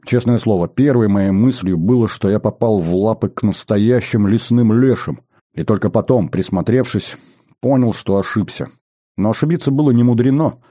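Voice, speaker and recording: A man reading a first-person novel aloud in a steady, measured way. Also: lowish voice, no room sound, clean studio sound. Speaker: audiobook narrator. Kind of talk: first-person audiobook narration.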